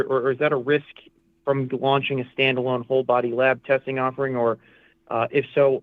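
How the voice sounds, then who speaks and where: A man with a mid-pitched, monotone voice asks a question as an analyst on an earnings call. He is tentative, rephrasing as he goes. It comes over a dry, phone-like line. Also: no room sound. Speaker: financial analyst asking questions.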